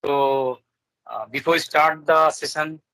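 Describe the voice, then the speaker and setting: A man with an Indian English accent, whose first language is Urdu, practices English on a casual video call, talking hesitantly with many fillers and restarts. His voice is fairly high and sharp, with a steady tone and measured pace. The audio is poor, though there's no room sound.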